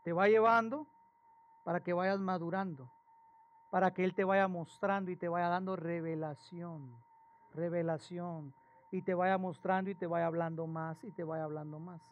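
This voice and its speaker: A male pastor, preaching a sermon in a lively storytelling way and asking the congregation questions. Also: high-pitched, moderate pace, muffled recording. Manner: animated storytelling with acted quotes and questions to the congregation.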